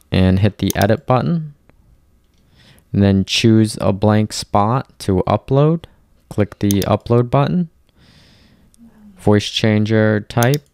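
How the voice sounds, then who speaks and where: Low-voiced man narrating a tutorial, crisp. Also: darkish tone. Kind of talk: step-by-step software tutorial voice-over.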